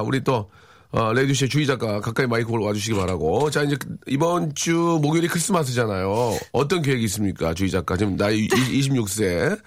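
A man in his forties hosts a live radio show, reading listener messages and chatting casually. His humor is dry and teasing, with a deadpan delivery. The studio sound is close and dry, and his voice sits at an ordinary male pitch. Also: dry recording. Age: 40s. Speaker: radio host. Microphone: studio microphone.

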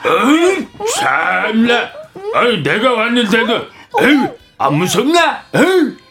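A woman voicing a proud male tiger in a radio quiz skit, huffing and shouting. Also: on the high side, big pitch swings, slow pace, background noise, heavily acted. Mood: indignant. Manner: loud, huffing and exclaiming. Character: blustering proud male tiger, easily scared.

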